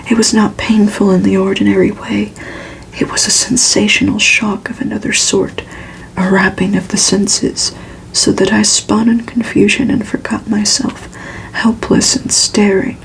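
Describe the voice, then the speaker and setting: A woman whispers a gothic novel in an ASMR style, with very little rise or fall in pitch. Her reading is slow and soft, with a creaky edge to the breathy delivery. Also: low-quality recording. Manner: soft, unhurried, steady whispering.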